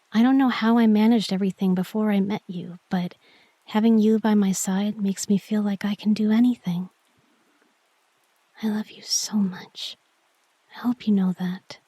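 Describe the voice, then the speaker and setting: Soft, close-up shy girlfriend played by a woman. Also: mid-range voice, no echo, close to an everyday voice. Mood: loving, vulnerable. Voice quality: soft, breathy, often dropping into whisper. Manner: gentle, hesitant, intimate address to one listener. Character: shy, tender young girlfriend confessing her love. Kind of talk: romantic sleep-aid audio roleplay, intimate ASMR.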